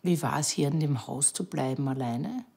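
A woman asking gentle questions as an off-camera interviewer. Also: deep voice, moderate pace, creaky, husky.

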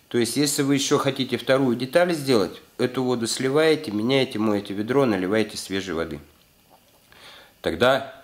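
Man explaining a workshop hands-on tutorial. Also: mid-range voice. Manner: explanatory, repeats "то есть", filler-heavy. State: slightly ill. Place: indoor garage workshop. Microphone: camera mic, handheld close.

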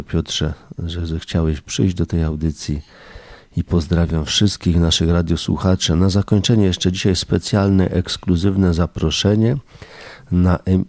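A deep-voiced man, a priest hosting a radio show, who speaks in a calm and level way. He closes the program and then leads a prayer with little rise or fall in his voice. The sound is dry and close, recorded in a studio. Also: no room sound. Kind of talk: radio show closing remarks and leading a spoken prayer.

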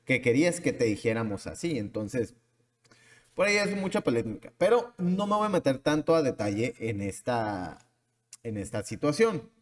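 A man's voice: mid-range voice, very animated, moderate pace, long reverb tail. A man hosting a podcast, giving his opinions in a rambling monologue and often answering his own questions. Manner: rambling, restarts often, asks himself questions. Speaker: podcast host.

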